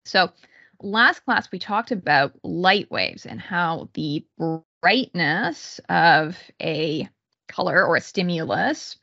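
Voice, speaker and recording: A woman giving an explanatory online lecture, speaking haltingly with pauses mid-sentence over a video call. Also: fairly low pitch, animated, creaky, pushed and bright, lo-fi sound. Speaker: university psychology lecturer. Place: small room indoors, on a video call.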